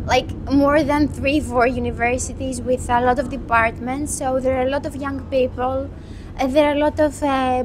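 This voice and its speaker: Young Greek woman, high voice. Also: background noise. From Greece. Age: 20s. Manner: thoughtful, unhurried, with restarts. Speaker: medical student. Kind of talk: interview.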